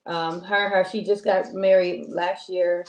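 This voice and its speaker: A woman co-hosting a casual live-stream talk show, rambling and heartfelt with many pauses. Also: fairly low pitch, level tone. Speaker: co-host. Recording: echoey room with faint noise.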